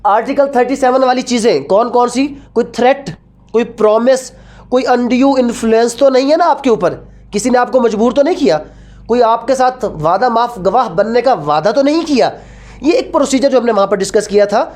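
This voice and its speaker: A woman's voice: on the high side, fairly quick, a little mellow. A woman with a Pakistani accent giving an explanatory lecture, didactic, asking and answering her own questions and repeating key phrases. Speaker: law lecturer. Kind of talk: explanatory law lecture, code-switching with English.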